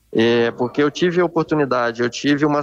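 A man speaks at a moderate pace. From Rio de Janeiro, Brazil. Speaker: professional footballer. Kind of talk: radio interview. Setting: radio studio.

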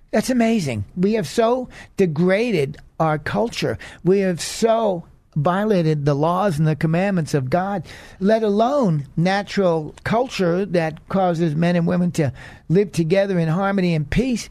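A man's high-pitched, dark, mellow voice at a fairly slow pace, with ordinary pitch variation, very even loudness and a quiet background. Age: 70s. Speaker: Bible teacher. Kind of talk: radio Bible teaching.

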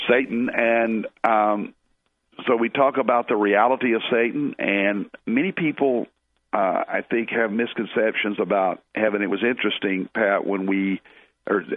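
Using a normal speaking voice, a man talks at a fairly slow pace and medium pitch, with ordinary pitch variation and very even loudness. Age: 60s. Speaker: pastor. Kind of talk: radio interview.

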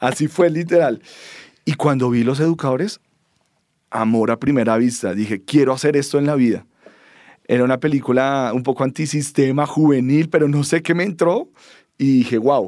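In a Bogotá accent, a man with a fairly high pitch and ordinary pitch variation talks at a moderate pace with long, frequent pauses, on a very clean recording with a silent background. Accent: Bogotá Colombian Spanish. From Bogotá, Colombia. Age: 30s. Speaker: film director. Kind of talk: interview. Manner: hesitant, many fillers.

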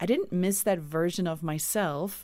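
A dark, mellow voice in a South African accent, fairly slow, with ordinary pitch variation and a very clean recording with a silent background. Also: woman. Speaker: author and speaker. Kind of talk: casual interview conversation. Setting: studio.

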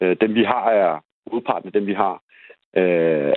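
A man talks at a moderate pace. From half French, half Danish. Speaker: historian. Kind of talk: radio interview.

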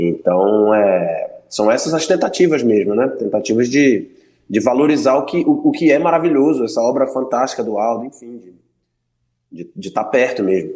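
A man speaks at a medium pitch and a moderate pace in a dark, mellow tone. His intonation is lively, with big swings in loudness. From Belém, Pará, Brazil. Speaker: musician. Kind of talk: interview.

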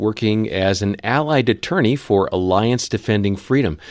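On a very clean recording with a silent background, a man speaks in an ordinary speaking voice. His pitch is fairly low, his intonation lively and his pace moderate. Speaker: radio announcer. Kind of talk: scripted narration. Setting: studio.

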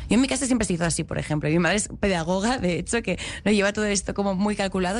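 Speaking very fast with a Spanish accent, a woman uses a medium pitch, ordinary pitch variation and vocal fry. The background is quiet. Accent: Spanish (Spain). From Spain. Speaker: sexologist. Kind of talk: radio interview.

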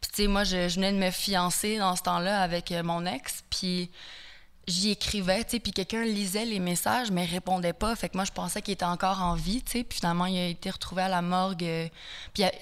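A woman talks at a medium pitch with fairly even intonation. The recording is very clean, with a silent background. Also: fairly quick pace. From Quebec, moved around abroad as a child. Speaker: singer. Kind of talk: interview.

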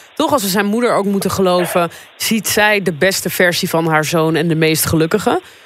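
At a fairly quick pace, a woman of medium pitch talks with ordinary pitch variation and very even loudness over noticeable background noise. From Amsterdam. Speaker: entertainment podcast co-host. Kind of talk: casual chat.

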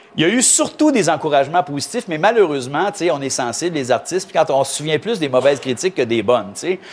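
Noticeable background noise sits behind a man with a fairly high pitch. He talks very fast with lively intonation. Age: 50s. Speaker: stage director and environmental activist. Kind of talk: interview.

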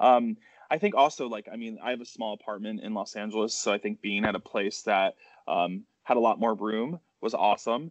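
A man talks with an ordinary speaking voice at a medium pitch. His intonation is fairly even and his pace fairly quick. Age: 30s. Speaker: body neutrality activist. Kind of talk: interview. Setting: radio show.

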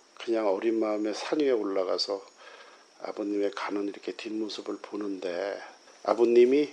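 Noticeable background noise is audible throughout. Through it, a man speaks at a moderate pace. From Yanggu, Gangwon Province, South Korea. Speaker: son of a wartime prison camp guard. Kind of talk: interview testimony. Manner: halting.

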